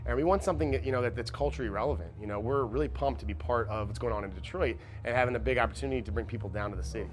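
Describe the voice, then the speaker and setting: A man's voice: mid-range voice, very fast, music in the background. A man talking conversationally in a promotional interview as a beverage director. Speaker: beverage director of a bar and restaurant.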